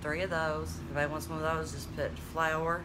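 A woman in her fifties, a little hoarse, chatting to viewers as she shows jewelry pieces and reads out their numbers. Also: low voice, little pitch movement, a little fast. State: losing her voice. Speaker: jewelry seller on a live stream. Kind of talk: casual live selling chat. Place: small home room with a jewelry display wall. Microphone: phone camera close up. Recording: noisy phone live stream.

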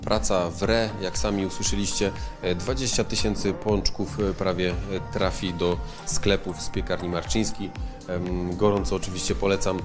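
A man in his thirties presenting an on-location report, speaking haltingly with frequent hesitations into a handheld microphone. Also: sits low, level tone, music in the background. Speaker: reporter and host. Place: tiled bakery production room.

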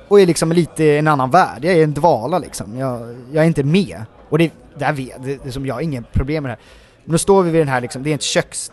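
In a laid-back interview, a male actor spins rambling, animated tales from film sets, filling his talk with plenty of filler words. His voice sits a little high.

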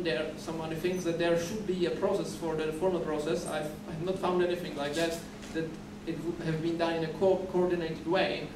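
A young man giving a conference talk at a podium, often repeating words and restarting as he explains. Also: a little high. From Czech Republic. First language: Czech. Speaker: conference speaker. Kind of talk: conference presentation. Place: dim lecture hall, at a podium. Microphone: podium mic, recorded from a far camera. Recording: echoey hall recorded from far off, noisy.

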